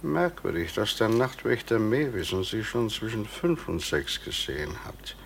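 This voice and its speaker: An actor playing a formal, probing justice official in a radio crime drama, with measured, insistent questioning. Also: male voice, fairly low pitch, big pitch swings, vocal fry, slight background noise. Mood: sceptical, pressing. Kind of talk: German radio play acting.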